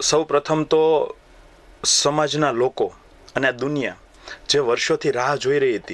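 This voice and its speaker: Using an ordinary speaking voice, a man with a fairly high pitch talks with fairly even intonation. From Gujarat, Amreli district village. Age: 30s. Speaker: charitable trust founder. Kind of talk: interview. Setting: studio.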